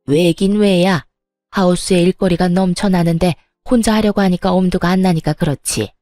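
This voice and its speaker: A woman's voice: lowish voice, moderate pace, mellow, no echo, faint music behind, natural voice. A woman voicing an angry middle-aged mother-in-law who scolds and sneers harshly, in a storytelling reading. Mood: scolding.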